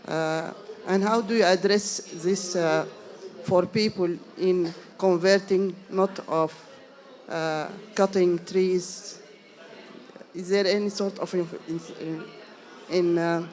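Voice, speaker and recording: A woman's voice: on the low side, darkish tone. A woman from Sudan asking a panel several questions from the floor, hesitant and full of fillers and restarts. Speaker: audience member asking questions.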